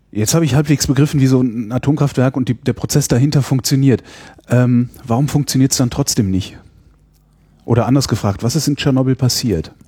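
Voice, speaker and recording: A man speaks at a medium pitch with a dark, mellow, somewhat breathy tone and ordinary pitch variation. His pace is fairly quick and his loudness very even. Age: 40s. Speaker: podcast host. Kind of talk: interview. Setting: in-person interview at guest's institute. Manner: hesitant, many fillers.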